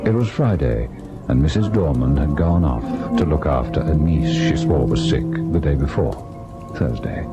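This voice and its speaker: An actor playing a devoted, sorrowful husband in an old-time radio ghost drama, measured and tender in his delivery. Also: rumbling low, expressive, loud music behind the voice. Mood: wistful, grave. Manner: measured, melancholy narration, tender and indulgent in dialogue. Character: devoted husband recalling a haunted, sorrowful tale.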